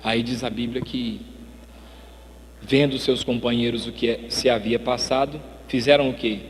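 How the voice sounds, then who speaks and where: A male pastor preaching a live sermon, telling the story dramatically and swinging between booming and hushed delivery. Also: steady tone, moderate pace, a little hiss or hum. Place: church hall. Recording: long church hall reverb.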